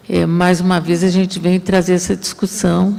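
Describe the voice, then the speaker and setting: The speaker keeps a moderate pace. Noticeable background noise can be heard. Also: woman. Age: 70s. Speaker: political activist and panelist. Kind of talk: panel talk.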